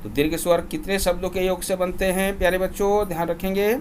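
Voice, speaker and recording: Male grammar teacher, slightly high voice, slow drilling delivery, faint hiss behind. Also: fairly even intonation. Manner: slow deliberate chanting of vowel lists for recitation. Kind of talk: classroom lesson.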